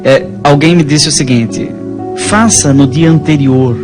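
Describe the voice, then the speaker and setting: A man with a Brazilian accent, a priest, talking conversationally about faith and telling stories in a halting, rambling way. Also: fairly high pitch. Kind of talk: conversational religious storytelling. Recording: music playing behind the voice.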